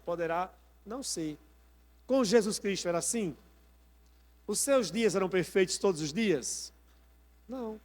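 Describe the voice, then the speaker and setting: A man preaching from the pulpit in a high, ringing voice. He keeps prompting his congregation with questions and lets them finish his sentences. His words trail off into the long reverb of a church sanctuary. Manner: preaching with rhetorical questions and call-and-response prompts. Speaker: pastor. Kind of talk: sermon.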